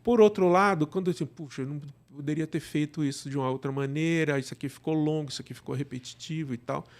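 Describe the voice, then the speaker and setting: A middle-aged man with a Brazilian accent and a slightly high voice talks as a guest in a relaxed interview. He explains his work conversationally and often slips into imagined remarks to make a point. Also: fast. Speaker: guest, director and cultural producer.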